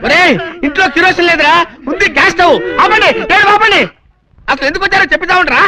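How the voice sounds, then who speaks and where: An actor playing an exasperated, sarcastic son-in-law in a film comedy scene. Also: male voice, very high voice, fast talker, over music.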